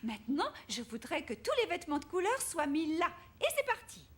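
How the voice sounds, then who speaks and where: A woman's voice: sits high, very animated, a little fast, slight background noise. A woman voicing a kind, playful old grandmother in a French children's cartoon dub. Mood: playful, encouraging.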